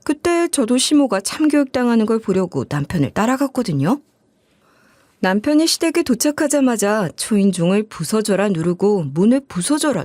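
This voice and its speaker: A woman's voice: mid-range voice, a little mellow, no echo, studio quality. A woman narrating her own life story from a script in a chatty, confiding way. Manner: chatty, gossiping confessional tone.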